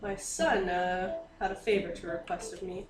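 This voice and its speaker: A woman's voice: fairly low pitch, fairly even intonation, normal speed, soft background music. A woman playing a tabletop game and chatting casually with the group. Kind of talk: casual chat. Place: indoor room with other players. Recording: echoey room, distant mic, clear background noise.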